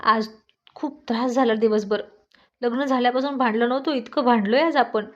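A woman's voice: a little high, steady tone, normal speed, lightly acted. A woman voicing a playful, teasing young husband in a storybook reading, with a coaxing manner. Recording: dull lo-fi recording.

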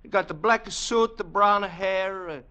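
A man playing an excitable Italian immigrant peanut vendor in a 1940s radio drama, speaking halting, theatrical broken English with an Italian accent. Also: sits high. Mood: animated, amused. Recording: vintage 1940s radio recording.

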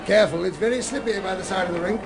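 Courteous, higher-voiced sceptical gentleman. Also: very fast, gravelly, over a noisy crowd. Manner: polite, inquisitive. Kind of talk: radio drama acting.

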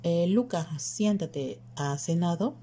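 A calm older man in a spoken audiobook, as a woman reader voices him. His lines come low and steady, in a reassuring tone. The voice is deep, dark and mellow. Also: normal speed, a little hiss or hum, close to an everyday voice.

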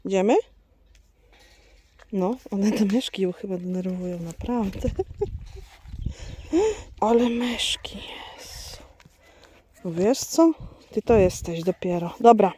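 A woman's voice: medium pitch, a little slow, pauses often, warm tone, slight background noise. A woman vlogging outdoors on her farm, chatting to her goats and to her viewers. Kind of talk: casual vlog chat.

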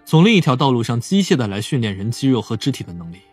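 Lively, husky young investigator. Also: male voice, medium pitch, fast, faint music behind. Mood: analytical. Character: sharp young male investigator, calm and analytical. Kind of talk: dramatised audiobook acting.

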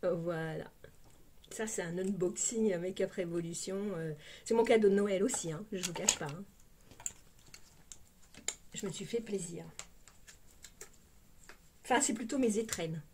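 A Parisian French woman, a casual beauty vlogger, chats through an unboxing, exclamatory and full of "hein" fillers. Her medium-pitched voice is slightly mellow and a little slow, with long pauses and faint background noise.

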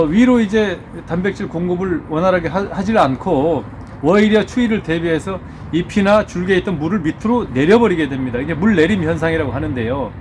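A middle-aged man hosting his orchid channel, speaking casually to subscribers with a slightly hoarse throat, talking through a face mask, full of fillers and little self-joking laughs. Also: high-pitched, slight background noise. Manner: chatty, self-joking, many fillers and restarts. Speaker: orchid-growing channel host. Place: indoor studio. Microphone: wearing a face mask.

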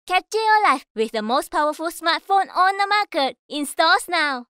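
A woman reading scripted voice-over in a measured, clearly enunciated way. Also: extremely high pitch, lively intonation, sharp tone, no room sound, clean studio sound. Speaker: voice actor. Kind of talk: voice-over demo reading of commercials, narration and announcements.

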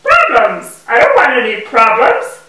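A woman's voice: fairly high pitch, wildly swooping pitch, unhurried, bright, forceful tone, full character voice. A woman voicing a small, sensible talking bee in a children's puppet show, explaining things with exaggerated emphasis. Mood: earnest. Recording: echoey hall, far from the mic.

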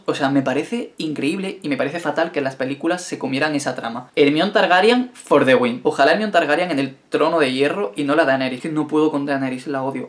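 A young man in his twenties from Spain, speaking with a Spain Spanish accent, reads out viewers' questions and answers them in a chatty, wry, self-mocking way. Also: fairly high pitch. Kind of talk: casual Q&A vlog.

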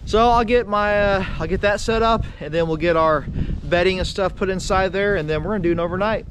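A man's voice: high-pitched, fairly quick, a bit bright. Chatty man filming in windy woods. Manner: chatty, laughs often, exclaims at the cold. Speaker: outdoor vlogger. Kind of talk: casual outdoor vlog. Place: snowy woods at night, by a plastic shelter. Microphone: camera mic, wind noise. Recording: windy outdoor camera audio.

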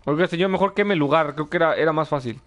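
A man's voice: a little high, fast, a bit bright, slight background noise. Joking Mexican young man streaming. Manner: joking, reads chat aloud, laughs often. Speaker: gameplay streamer. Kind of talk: casual live gameplay commentary.

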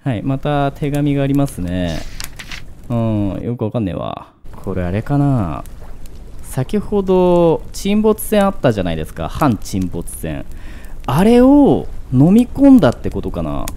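Very animated man musing through a game. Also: mid-range voice, slight background noise. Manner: muses aloud, asking himself questions. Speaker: gaming commentator. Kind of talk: casual horror game commentary.

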